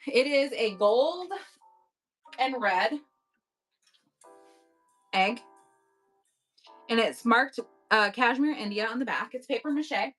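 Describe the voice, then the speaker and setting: Upbeat woman live-selling vintage items, fairly high voice, faint music underneath. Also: animated, slow, pauses often, a bit bright, rough recording. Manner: chatty, upbeat, thanks bidders by name. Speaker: online live-auction seller. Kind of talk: casual live-selling chat. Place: home at night.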